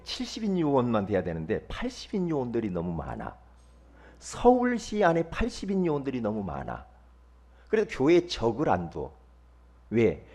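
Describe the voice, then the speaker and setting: Man, pastor, sermon, husky, sweeping pitch, talks with the congregation. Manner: animated, conversational, often questions the congregation. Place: church.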